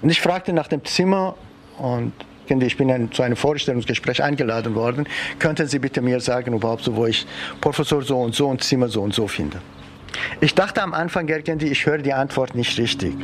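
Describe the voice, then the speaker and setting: A man's voice: medium pitch, normal speed, slight background noise. A man from Iran, an education trainer, telling a personal story reflectively, often circling back with fillers. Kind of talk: personal account in an interview.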